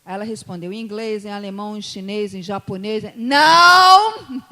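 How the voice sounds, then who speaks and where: A woman pastor from Brazil, with a Brazilian Portuguese accent from Espírito Santo, preaching a sermon and telling stories, going from soft asides to loud emotional peaks. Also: medium pitch, little pitch movement, fast. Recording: long hall reverb.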